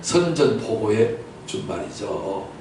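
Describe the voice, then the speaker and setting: A pastor with a fairly low voice and lively intonation preaches a slow-paced Sunday sermon in a church sanctuary. He questions his congregation and repeats key words for emphasis, using rhetorical repetition and sudden loud outbursts. The recording is echoey and distant, with faint noise.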